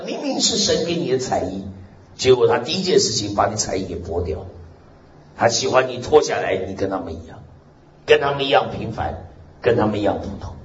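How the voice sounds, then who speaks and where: A male pastor preaches in a loud, strong voice, his pitch rising and falling as he exclaims amen and hallelujah. The sound is roomy and somewhat dull, with a faint hiss beneath. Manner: animated preaching punctuated by frequent "amen" and "hallelujah", with laughter. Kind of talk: lively Mandarin sermon.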